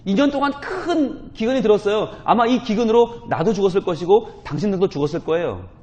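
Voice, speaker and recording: A man's voice: high-pitched, lively intonation, fairly quick, a little mellow. A male pastor gives an early-morning sermon, telling the story with strong emotion and putting questions to the congregation. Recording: muffled lo-fi recording.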